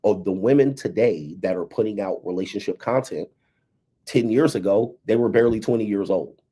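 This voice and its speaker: A man of fifty talking in a loose, emphatic commentary style, leaning on "right?" and "okay" to drive each point home. His voice sits low and dark, with a husky edge. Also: moderate pace. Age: 50s. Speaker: relationship and dating commentator. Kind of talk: casual livestream commentary.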